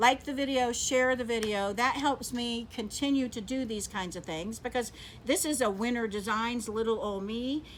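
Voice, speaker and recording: Her voice is a plain, everyday voice, as a woman speaks at a moderate pace with a fairly high pitch and ordinary pitch variation. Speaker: sewing and quilting business owner. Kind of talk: tutorial.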